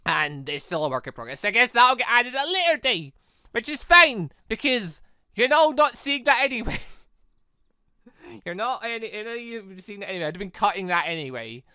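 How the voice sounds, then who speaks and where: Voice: mid-range voice, very animated, moderate pace, pushed and bright, clean tone, no echo, clean studio sound. A gaming video creator giving casual, rambling let's play commentary and talking to themselves. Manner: rambling, talks to self.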